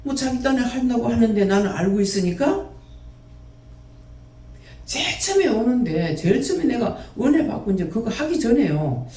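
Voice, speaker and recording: Scolding preacher in an echoey hall. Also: male voice, very high voice, sing-song, moderate pace, warm tone. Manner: scolding, with many rhetorical questions. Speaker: prayer house director and preacher. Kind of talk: sermon. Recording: roomy echo, mic at a distance.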